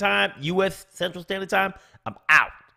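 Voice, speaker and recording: At a moderate pace, the speech is animated in tone, with very wide pitch swings. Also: man. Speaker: software tutorial youtuber. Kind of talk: live Q&A stream. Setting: live stream. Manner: casual, animated.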